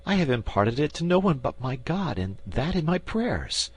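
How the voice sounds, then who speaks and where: A man reading an audiobook, voicing an anguished noble queen in a high, trembling, pleading voice. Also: sing-song, normal speed, slightly rough, dry recording. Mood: fearful.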